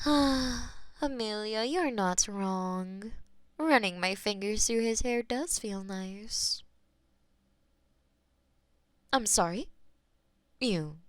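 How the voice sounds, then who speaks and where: Woman playing a slow, purring demon mistress. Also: mid-range voice, smooth, no echo, studio quality, close to an everyday voice. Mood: teasing. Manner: teasing, slow and purring, drops to soft whispers. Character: possessive, teasing female demon mistress, powerful and smug. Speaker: voice actor in an audio roleplay. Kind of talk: audio roleplay acting.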